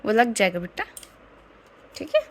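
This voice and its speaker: A woman soothing and coaxing a crying, teething baby in gentle baby talk. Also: medium pitch, wildly swooping pitch, unhurried.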